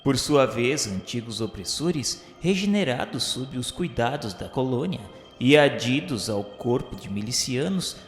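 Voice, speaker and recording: A man narrating a radio novel in a measured, solemn literary reading. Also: mid-range voice, lively intonation. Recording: roomy reverberant sound with music bed. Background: music.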